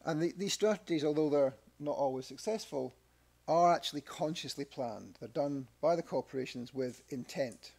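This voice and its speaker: A man's voice: mid-range voice, vocal fry, darkish tone, husky. A middle-aged man with a Scottish accent giving a conference presentation at a podium microphone, with dry asides and frequent restarts. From Scotland. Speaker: academic researcher presenting. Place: press club conference room.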